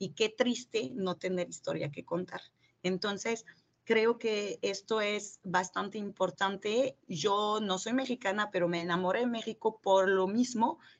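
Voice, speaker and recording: A woman with a French accent at a fairly slow pace. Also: medium pitch for a woman, ordinary pitch variation. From France, Bordeaux region. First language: French (speaking Spanish). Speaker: interior design studio co-founder. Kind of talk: interview.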